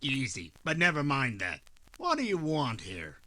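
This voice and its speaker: A man's voice: mid-range voice, huge pitch swings, sharp tone. An actor playing a threatening, tough gunman in a 1940s-style noir radio drama. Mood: menacing. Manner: slow, threatening tough-guy talk. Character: menacing male gunman, tough and protective of a woman.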